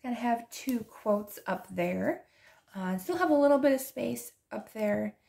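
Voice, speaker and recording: An animated woman with a voice on the high side chats unhurriedly while decorating a planner. A planner and journaling vlogger, she is soft-spoken, drifts into whispers, laughs often, and gets hoarse as she loses her voice.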